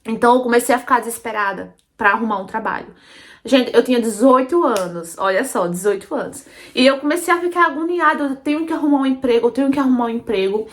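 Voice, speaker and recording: A Brazilian woman telling her own story in a casual, chatty way, often calling out to her listeners and repeating phrases for emphasis. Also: on the high side. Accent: Brazilian Portuguese. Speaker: storytelling channel host. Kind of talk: casual first-person storytelling.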